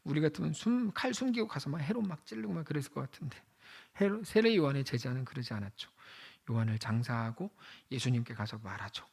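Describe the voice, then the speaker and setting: A male pastor preaching a sermon in a conversational way, asking the congregation questions and swinging from loud exclamations to hushed lines. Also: medium pitch, expressive, fast talker, creaky, slightly rough.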